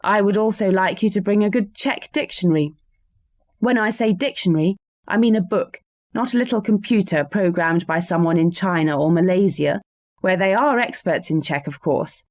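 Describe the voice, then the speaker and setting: A woman's voice: medium pitch, moderate pace, darkish tone, no room sound. Wry, dry-humoured woman lecturer. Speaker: university language lecturer. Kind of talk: scripted welcome talk to students.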